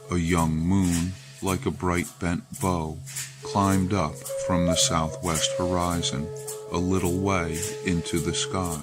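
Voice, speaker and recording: A man reading a legend as scripted storybook narration, in a measured, deliberate way. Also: deep voice. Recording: loud music behind the voice. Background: loud music.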